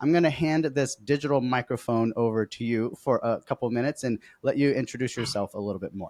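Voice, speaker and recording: Recorded very cleanly against a silent background, dry and close with no echo, a man with a Texan accent talks at a very fast pace with hardly any pauses. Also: medium pitch for a man, ordinary pitch variation. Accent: Texan American. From Texas. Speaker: podcast host. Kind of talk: podcast interview.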